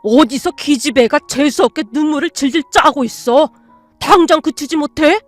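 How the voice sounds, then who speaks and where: A woman voicing a short-tempered older father who shouts with contempt. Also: high-pitched, moderate pace, no echo, faint music behind, lightly acted. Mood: scornful, shouting.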